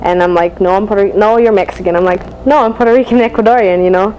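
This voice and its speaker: A woman tells things casually at a fast clip. Her voice is fairly low, and the recording is dull with slight background noise. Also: warm tone. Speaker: discussion participant. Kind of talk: casual anecdote. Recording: dull lo-fi sound, faint noise.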